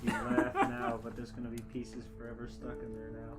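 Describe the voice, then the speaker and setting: A man's voice: mid-range voice, monotone, brisk. A man co-hosting a podcast, joking casually with friends. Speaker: podcast co-host. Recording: prominent music under the voice. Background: music.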